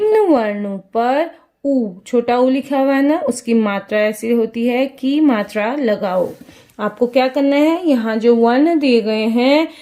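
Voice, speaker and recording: A woman teaches small children in a high, clear voice. She talks slowly and patiently, asking each question twice and answering it herself. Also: a little mellow. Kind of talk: children's lesson.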